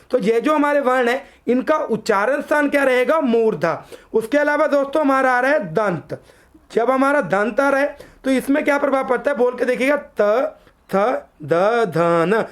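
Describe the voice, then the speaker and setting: In an online exam-prep lesson, a high-voiced woman stretches out letter sounds slowly so viewers can imitate them, calling her audience friends. She poses quiz questions and then answers them herself, dropping to a lower voice for each answer.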